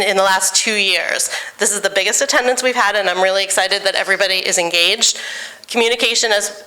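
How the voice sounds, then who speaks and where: A woman organizer addressing a public meeting, explaining plans in a slightly halting, informative way. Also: mid-range voice, sharp tone, low-quality recording. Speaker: event organizer.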